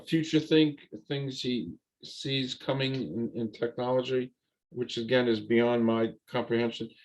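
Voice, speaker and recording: A man's voice: mid-range voice, low-quality recording. An older man hosting an interview show, introducing his guest in a rambling, casual way with many fillers and restarts.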